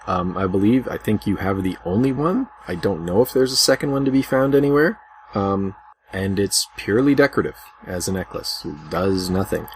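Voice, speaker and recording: A man with a lowish voice hosts a casual podcast discussion. He feels his way through his thoughts hesitantly, over slightly noisy amateur audio. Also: animated, moderate pace. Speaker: podcast host.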